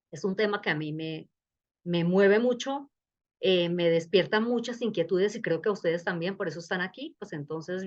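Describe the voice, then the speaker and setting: A middle-aged woman with a Colombian accent and a lowish voice gives a bioethics lecture in a webinar, heard over a video call mic with the highs cut off. She's conversational and engaged, posing questions to her audience.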